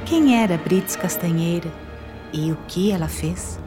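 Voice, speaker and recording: An actress playing a solemn questioner in a radio drama, speaking formally in a measured, inquiring way. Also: female voice, fairly low pitch, lively intonation. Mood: probing, solemn. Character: solemn woman questioner probing a confession. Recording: music under the voice. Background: background music.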